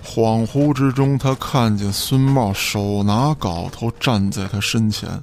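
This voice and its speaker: A man's voice: lowish voice, unhurried. A man giving dramatic scripted narration for a radio play in a theatrical storytelling manner. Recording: music behind the voice.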